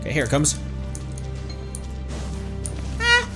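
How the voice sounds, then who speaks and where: A man doing casual live gameplay commentary, excitable and playful, talking to himself and to the game as he plays. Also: a little high, slow pace, music in the background. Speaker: streamer playing a video game.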